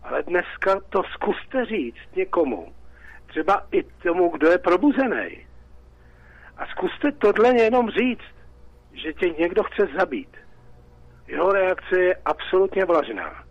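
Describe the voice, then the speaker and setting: Czech male caller, slightly high, agitated and rhetorical; dry, dull phone-in sound. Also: very animated, dry recording. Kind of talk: call-in radio talk.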